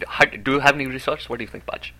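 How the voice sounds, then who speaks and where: A man's voice: mid-range voice, racing, noisy background. A man co-hosting a comedic podcast, speaking with formal, earnest phrasing. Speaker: podcast co-host.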